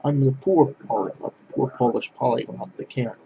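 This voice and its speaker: A man from northwest Pennsylvania, talking to camera in a halting, rambling monologue that keeps restarting its phrases. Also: medium pitch. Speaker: language vlogger. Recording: dull lo-fi sound with clear background noise.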